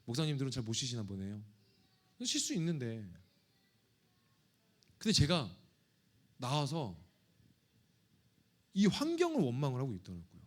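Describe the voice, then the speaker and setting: A man's voice: medium pitch, huge pitch swings, normal speed, pauses often. A male pastor preaching a sermon in a conversational, joking and confessional manner. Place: church sanctuary.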